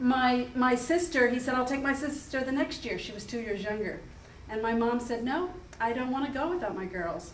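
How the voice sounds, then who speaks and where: Through noticeable background noise and audible room echo, a woman in an American accent speaks at a moderate pace, her high pitch showing ordinary variation. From United States. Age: 60s. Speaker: charity executive. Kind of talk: interview.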